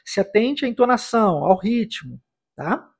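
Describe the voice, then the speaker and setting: A man with a fairly high, husky voice teaches English on a podcast. He explains each phrase in Portuguese and then says it over and over for the listener to repeat, in a patient classroom manner. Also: sing-song, normal speed. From United States. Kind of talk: podcast language lesson.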